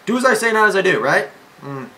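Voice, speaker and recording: A man's voice: sits high, big pitch swings, fast talker, bright, forceful tone. An eighteen-year-old man talking casually to his camera at home, rambling with lots of fillers, restarts and self-mocking jokes. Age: young adult. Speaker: vlogger. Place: home room. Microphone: camera mic.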